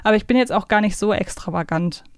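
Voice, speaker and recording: A woman chats casually as a podcast host. Her voice sits at a middle pitch, recorded close and very dry. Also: quick pace, clean tone, no room sound. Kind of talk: casual conversational podcast chat.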